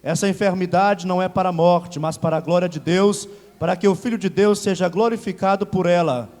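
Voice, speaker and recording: A man reads scripture aloud slowly and deliberately, his voice pitched high. He sounds a little distant in a reverberant church hall. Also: steady tone, a little mellow. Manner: slow, measured reading. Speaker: scripture reader. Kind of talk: reading Bible verses aloud.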